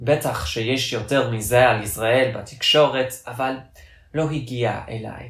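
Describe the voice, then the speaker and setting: A man speaks very slowly at a medium pitch. His pitch varies in an ordinary way. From US Midwest, Cincinnati, Ohio. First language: English (speaking Hebrew). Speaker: podcast co-host and student volunteer. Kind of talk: casual chat.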